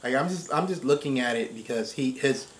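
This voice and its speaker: An American man in casual discussion, thinking aloud in a halting, emphatic way and often repeating himself. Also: mid-range voice. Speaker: reaction show host. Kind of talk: casual chat, video game story discussion. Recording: roomy, echoing space.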